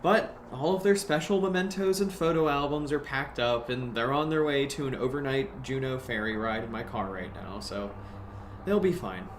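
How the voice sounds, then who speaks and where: A man's voice: medium pitch, moderate pace, close to an everyday voice. An actor playing an anxious, practical young man with an earnest, hesitant manner in an audio drama. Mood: dry, uneasy. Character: anxious, practical young adult urging friends to flee. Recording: clear background noise.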